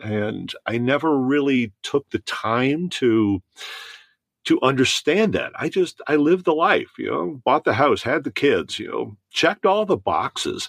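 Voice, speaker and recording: Heard in a dry, close sound with no echo, a man with an American accent speaks fairly slowly in a fairly high pitch. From US East Coast. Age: 60s. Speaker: former software engineer turned nomad. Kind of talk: podcast interview.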